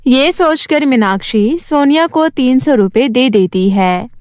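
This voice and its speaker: A woman's voice: high-pitched, animated, unhurried, a little mellow, smooth, no room sound, clean studio sound. A woman storyteller reading scripted narration for a children's cartoon story.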